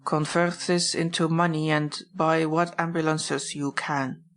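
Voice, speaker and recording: Lady putting on a stately german baron for an audiobook, slow n deliberate, low voice. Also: little pitch movement. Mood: solemn, courtly. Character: Trent posing as a formal, solemn German baron.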